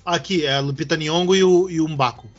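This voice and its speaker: A man hosting a casual podcast chat, animated, swearing casually and restarting his words. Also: a little high, brisk, lo-fi sound, soft background music. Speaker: podcast host.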